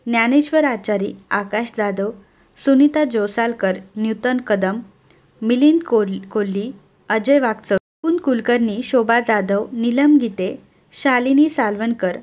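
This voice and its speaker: A woman with a fairly high voice narrates a TV serial recap in a steady, scripted storytelling style. She talks to her audience directly and reads off long lists of viewers' names. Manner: addresses listeners as friends, reads long name lists.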